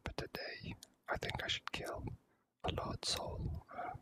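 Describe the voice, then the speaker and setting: A whispering host giving ASMR commentary on a video game playthrough, hesitant and measured, with formal wording.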